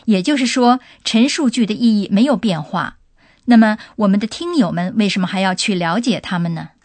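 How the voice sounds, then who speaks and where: A woman's voice: medium pitch, animated, a little fast, a little mellow, no room sound. A woman hosting a radio language lesson, prompting the professor with questions and giving examples. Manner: inquisitive, prompts the expert with questions. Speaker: host.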